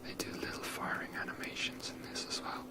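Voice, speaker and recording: A person whispering casual, rambling ASMR commentary while playing a video game, in a breathy, unvoiced voice. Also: brisk.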